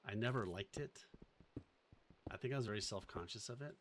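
A man's voice: on the low side, brisk, slight background noise. A man with a faint Boston accent, casually thinking aloud and chatting with viewers while streaming a game. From Boston area. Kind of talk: casual live-stream commentary.

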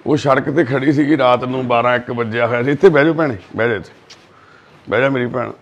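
A man doing social service on a live video, gently soothing a frightened girl and repeating his reassurances. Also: medium pitch, quick pace, dull audio, slight background noise. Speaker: social worker helping a lost girl.

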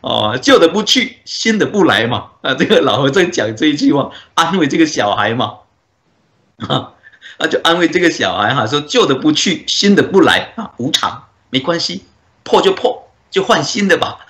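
A man, a Buddhist monk, giving a dharma talk as a story, with drawn-out filler particles and frequent chuckles. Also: on the high side, sing-song, fairly bright tone.

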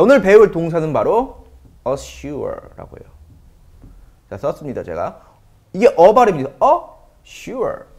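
A man teaching English in an online lecture, emphatic and animated, slowing right down to drill English words. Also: on the high side.

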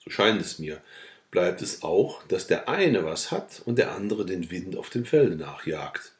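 A man's voice: low voice, sing-song, a little slow. A man reading the lines of a hard, stubborn old peasant farmer who speaks bluntly.

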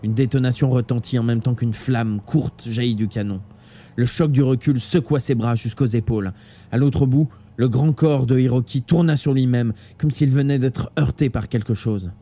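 A man reading a novel aloud live, with steady, dramatic storytelling. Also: mid-range voice, normal speed. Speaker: audiobook reader. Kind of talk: live audiobook narration. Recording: faint background music.

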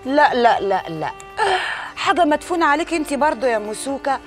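An actress playing a nosy young neighbor with an Egyptian accent who sweet-talks and swears oaths. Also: female voice, sits high, expressive, brisk, faint music behind. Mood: flattering. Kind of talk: TV drama acting.

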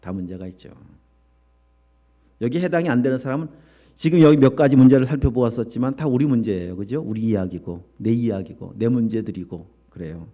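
A man's voice: medium pitch, expressive, fairly quick, warm tone. A male pastor preaching an emphatic sermon full of rhetorical questions to his church congregation.

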